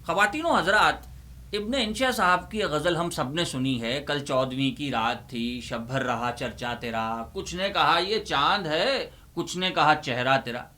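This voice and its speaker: A man playing a theatrical, easily exasperated old uncle librarian who presents and recites comic poetry in a declamatory way with deliberate pauses. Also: a little high, expressive, sharp tone. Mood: pompous, presenting. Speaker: host.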